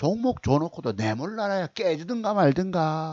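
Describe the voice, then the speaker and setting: Against a quiet background and with a dry, close sound free of echo, a man talks in an animated tone at a high pitch. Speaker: stock trading lecturer. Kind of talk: lecture.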